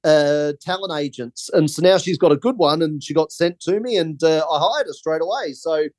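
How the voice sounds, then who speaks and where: Guy rambling about directing, keeps laughing at himself, kinda high voice. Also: normal speed, a little mellow, no echo. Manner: rambling, self-deprecating, laughs often. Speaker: film director. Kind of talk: casual interview chat.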